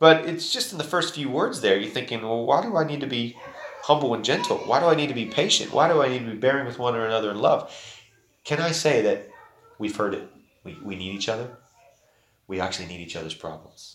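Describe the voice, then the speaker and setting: A man speaks at a very fast pace in a medium pitch, with lively intonation and big swings in loudness. Room echo is audible. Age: 30s. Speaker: charity representative speaking at a church. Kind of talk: sermon.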